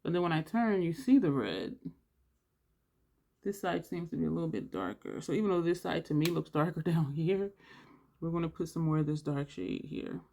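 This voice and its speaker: Vlogger, mid-pitch with a gravelly edge, congested-sounding, chatty makeup tutorial delivery with audible breaths. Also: animated, moderate pace, mellow. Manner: rambling, thinks aloud while working; audible breathing between phrases. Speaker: beauty vlogger. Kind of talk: casual makeup tutorial chat.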